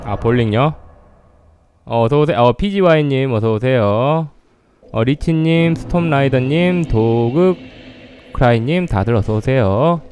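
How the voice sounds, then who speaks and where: A man's voice: mid-range voice, expressive, a little slow, darkish tone, slight background noise. A man streaming a game live, greeting viewers and trash-talking the opponents he fights.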